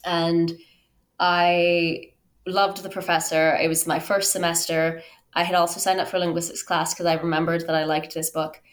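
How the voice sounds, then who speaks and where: A woman in her thirties from Canada, a podcast guest telling her own story conversationally in an animated way. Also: on the low side, moderate pace. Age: 30s. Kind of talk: conversational interview, personal storytelling.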